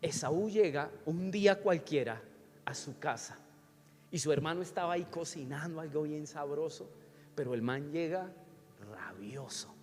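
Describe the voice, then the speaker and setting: A man's voice: a little high, moderate pace, a little mellow. A man, preaching a sermon in church and often asking the congregation questions. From Colombia. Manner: teaching with frequent questions to the congregation. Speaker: pastor. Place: church sanctuary. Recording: church hall reverb with faint music.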